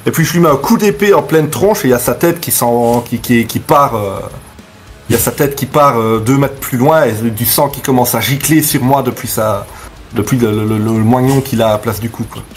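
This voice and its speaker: Man, mid-pitched voice, casual game chat, tabletop player. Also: fairly quick, faint music behind. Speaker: tabletop role-playing player.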